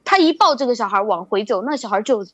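A woman's voice: fairly high pitch, animated, quick pace, no room sound, lo-fi sound. A woman casually telling a hospital ghost story in a rambling way, with many restarts and fillers. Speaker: guest storyteller.

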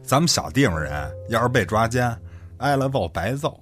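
A man plays a shameless, cynical village boss in a radio drama. His mid-pitched voice swings freely as he swears and sneers in self-justification, with music behind. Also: very animated, moderate pace, a bit bright. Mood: mocking, accusing. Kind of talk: Chinese radio drama acting.

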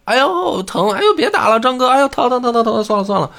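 A man's voice: extremely high pitch, sing-song, quick pace, vocal fry, fairly bright tone, pitched above the performer's own voice, full character voice. A man voicing a male servant yelping and wailing in pain.

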